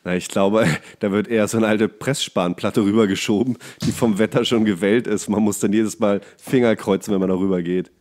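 A man's voice: fairly low pitch, steady tone, a little fast, hardly any pauses, darkish tone. A man chatting casually as a podcast co-host. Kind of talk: casual chat.

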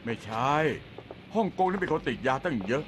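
A man's voice: a little high, animated, fairly quick, slight background noise, natural voice. A man dubbing a jaded veteran cop into Thai, blunt and scolding with dry sarcasm. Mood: cynical. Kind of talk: Thai dub of a TV drama.

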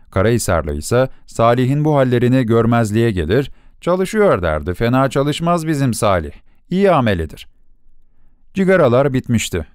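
A man narrating a short story for an audiobook in a measured storytelling delivery. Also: fairly low pitch, darkish tone, smooth, no room sound, studio quality. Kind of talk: scripted narration.

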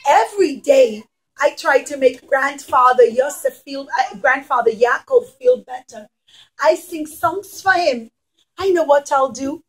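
Brief: sweet, gentle granddaughter for a puppet show, high voice played by a woman. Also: expressive, poor audio. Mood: caring. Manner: gentle, often slow singsong. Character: gentle, caring musical young granddaughter Serach.

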